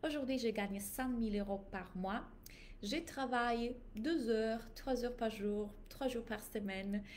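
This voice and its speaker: A woman with an Italian accent and fairly high pitch, very slow in pace, with ordinary pitch variation and audible room echo. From Italy. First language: Italian (speaking French). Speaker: business coach. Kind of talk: live webinar masterclass. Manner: animated.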